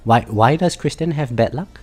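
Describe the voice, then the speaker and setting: With a breathy edge to his medium-pitched voice and a nasal sound from a head cold, a man chats casually on a live game stream at normal speed. He is relaxed but hesitant, leaning on fillers and frequently correcting himself. There is faint background music.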